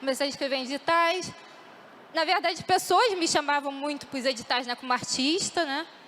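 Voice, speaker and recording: Her voice is high in pitch for a woman, with ordinary pitch variation. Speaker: poet and filmmaker. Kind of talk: panel talk. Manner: fast, many restarts.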